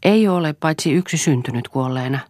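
A woman's voice: sits low, animated, darkish tone, dry recording, studio quality, voice pushed up. A woman reading aloud and voicing a grieving, helpless widow. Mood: subdued.

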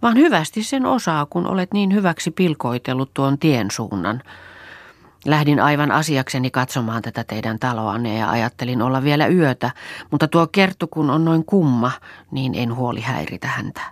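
A woman's voice: extremely low pitch, lively intonation, dry recording. A woman reading an audiobook, voicing an earnest woman visitor who coaxes and soothes in a raised, pleading voice.

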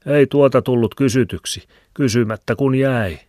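A man's voice: medium pitch, a little mellow, no room sound, pitched above the performer's own voice, natural voice. A man voicing a stubborn, grumbling old village shoemaker with a rambling, folksy way of talking, in a dry close recording. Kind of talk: audiobook reading. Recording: dry close studio sound.

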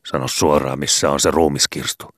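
A man voicing a gruff, domineering old dying father who barks commands and mocks his family, in an audiobook reading. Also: a bass voice, fairly even intonation, a bit bright, no echo, clean studio sound. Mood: commanding. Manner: barking, commanding, sarcastic. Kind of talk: audiobook character voice.

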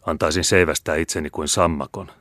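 A man's voice: very deep voice, fairly even intonation, fairly bright tone, no echo. A man voicing a discontented bearded soldier who mutters his complaints in an audiobook. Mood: grumbling. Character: grumbling bearded enemy soldier, gruff.

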